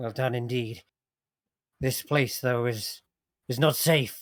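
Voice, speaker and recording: A man uses a put-on character voice at medium pitch. He talks at a fairly slow pace with fairly even intonation. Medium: actual play.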